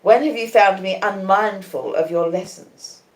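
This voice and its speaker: A woman's voice: medium pitch, lightly acted. Woman playing a proud, cool young lady, echoey. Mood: defiant. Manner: measured, reasoning, emphatic rhetorical questions. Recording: echoey conservatory.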